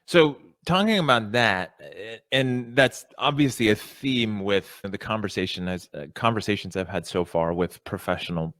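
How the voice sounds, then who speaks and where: A man's voice: lowish voice, moderate pace, hardly any pauses, fairly bright tone, no room sound. A man hosting an interview podcast, introducing his guest and asking questions in an upbeat, enthusiastic way. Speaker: podcast host.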